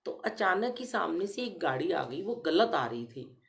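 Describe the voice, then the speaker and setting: A middle-aged woman giving a gentle devotional talk to her congregation, telling personal stories. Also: on the low side, very animated, measured pace, creaky. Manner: gentle storytelling, addresses listeners as "sangat ji". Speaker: spiritual speaker addressing congregation.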